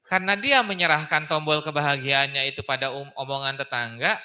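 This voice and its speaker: A man's high-leaning voice sounds bright and forceful, moving briskly with fairly even intonation. As a preacher at a casual mosque study talk, he chats easily and tends to cap his phrases with a questioning "gitu kan ya".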